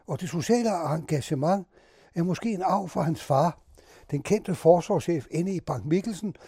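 A man hosting a radio portrait, reading scripted narration and asking questions in a measured, reflective way. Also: a little high, dark tone, breathy edge, no echo, studio quality. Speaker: host, interviewer.

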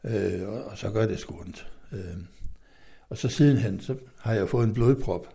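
Gravelly, husky middle-aged man telling a story. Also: lowish voice, mellow. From western Denmark. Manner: rambling, halting with fillers and restarts. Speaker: interview guest. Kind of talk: personal storytelling in an interview.

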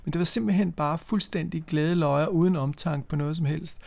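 A man's voice: fairly high pitch, vocal fry, darkish tone. A man in his fifties from Denmark, co-hosting a casual radio chat about music and recalling memories with frequent restarts. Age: 50s. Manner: hesitant, repeats words while recalling memories. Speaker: co-host.

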